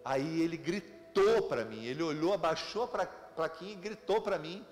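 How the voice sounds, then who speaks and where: A man with a Brazilian accent, preaching a sermon as pastor, telling stories in a lively way with laughter. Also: on the high side, normal speed, big-room sound, faint music behind. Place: church sanctuary.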